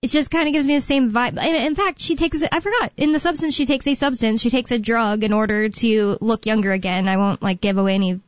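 A woman's voice: on the high side, fast talker, few pauses, no room sound, dull audio. A woman in her late twenties hosting a talk radio show, chatting casually and often restarting her sentences. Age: 20s.

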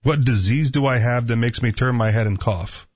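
A man's voice: medium pitch, moderate pace, breathy edge, no room sound, highs cut off. A man co-hosting a call-in talk show in casual, argumentative banter, teasing and joking crudely. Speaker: talk radio co-host.

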